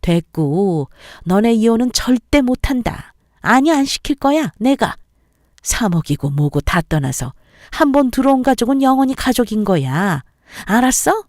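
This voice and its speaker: A domineering older mother-in-law scolds and insults in a harsh, bossy voice, as a woman reads her part. The tone is mellow rather than bright. The recording is dry and close, like a narrated story. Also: a little high, big pitch swings, a little slow, dry recording, voice pushed up. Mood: scolding.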